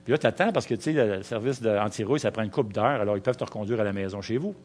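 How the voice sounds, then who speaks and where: A middle-aged man with a Quebec French accent, preaching a sermon, weaving in personal stories and slowing down to stress key words. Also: lowish voice, darkish tone.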